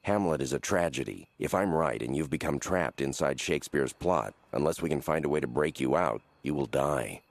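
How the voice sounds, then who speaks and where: An actor voicing an earnest, learned cartoon sidekick who explains things in a measured, lecturing way. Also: male voice, a bass voice, no room sound. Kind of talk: cartoon voice acting.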